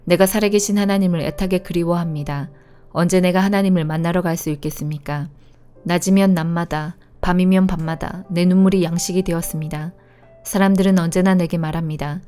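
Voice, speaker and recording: A woman giving a calm, measured reading of scripture aloud. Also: lowish voice, smooth. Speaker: Bible reader. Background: faint instrumental music.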